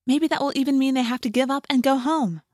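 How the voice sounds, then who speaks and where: Woman playing a bold, high-pitched teenage girl. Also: fast talker, a little mellow, no room sound, studio quality, close to an everyday voice. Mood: determined. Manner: snappy, emphatic.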